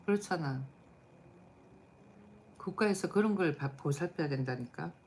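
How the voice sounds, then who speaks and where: Blunt low-voiced woman streamer chatting. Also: animated, normal speed, darkish tone, a little hiss or hum. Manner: blunt, chatty, answers chat comments aloud. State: tired. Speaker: live stream host. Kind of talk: casual live chat with viewers.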